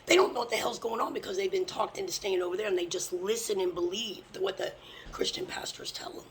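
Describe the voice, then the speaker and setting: A fervent religious teacher preaching from scripture, blunt and sometimes swearing, often dropping into a hushed whisper. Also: mid-range voice, fast, a little hiss or hum.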